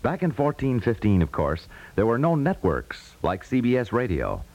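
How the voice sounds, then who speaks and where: Animated American male radio announcer. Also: mid-range voice, moderate pace, highs cut off. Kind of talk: 1950s scripted radio announcing. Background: music.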